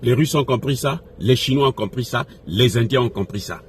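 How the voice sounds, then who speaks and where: Male political commentator, mid-pitched voice, emphatic and repetitive, impassioned unscripted delivery, noisy background. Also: fairly quick. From Africa. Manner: emphatic, repeats phrases, rhetorical questions. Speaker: political commentator addressing followers. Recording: noisy recording with background ambience.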